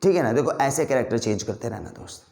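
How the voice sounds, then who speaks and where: Fast-talking male spoken English teacher. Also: mid-range voice, expressive, creaky, mellow, echoey room. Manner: coaching, addresses viewers as friends. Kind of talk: energetic classroom-style lesson.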